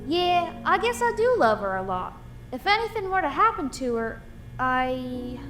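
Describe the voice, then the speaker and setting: A woman's voice: high voice, big pitch swings, unhurried, a bit bright, soft background music, exaggerated voice. A woman playing a tough but bashful female boxer, a cartoon animal in an audio drama, talking colloquially. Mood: warm, then sober.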